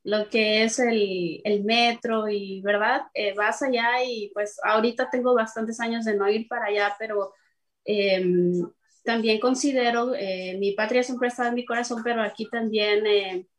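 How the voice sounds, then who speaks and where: A woman's voice: fairly high pitch, fairly even intonation, measured pace. A woman from Mexico City, a guest in a casual panel chat, hesitant and using many fillers.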